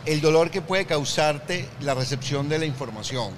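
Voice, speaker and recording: A man's voice: fairly high pitch, animated, normal speed, slight background noise. A young man with a Venezuelan accent, a podcast guest speaking candidly with a joking edge. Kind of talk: casual interview chat.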